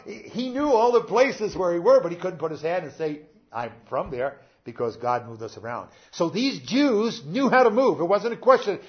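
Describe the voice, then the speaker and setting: An older man, a pastor, preaching a sermon in a conversational way, pausing with "uh" and talking straight to his congregation. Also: on the high side, highs cut off.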